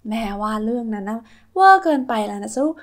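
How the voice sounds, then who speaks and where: A woman's voice: on the high side, expressive, quick pace. A woman voicing a caring, reassuring mother in a children's toy story, coaxing and soothing.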